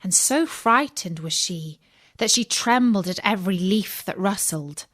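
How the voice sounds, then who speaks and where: A woman storyteller narrating a scripted children's fairy tale in a measured, deliberate read-aloud delivery. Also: medium pitch, expressive, fairly bright tone, dry recording, studio quality.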